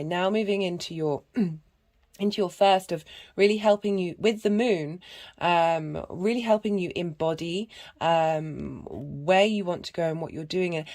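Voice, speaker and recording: A woman with a husky voice and a cough, giving a rambling casual tarot and astrology reading full of fillers and restarts. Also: on the low side, darkish tone. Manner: meandering, many fillers and restarts. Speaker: tarot reader.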